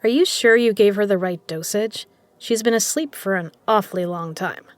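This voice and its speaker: A woman playing a shrewd, proud poker legend who runs a bar, brash, sardonic and quick to swear, in an audio drama. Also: mid-range voice, no echo, lightly acted. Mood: impatient, sardonic. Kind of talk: dramatic audio roleplay acting.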